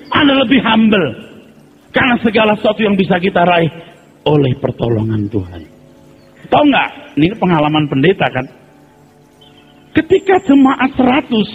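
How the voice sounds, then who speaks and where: A man with a high, slightly husky voice preaches from a church pulpit. He asks the congregation rhetorical questions and moves from forceful exhortation to quiet confession. The recording sounds thin and phone-like, with a long hall echo and faint music under it. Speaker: pastor. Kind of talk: sermon.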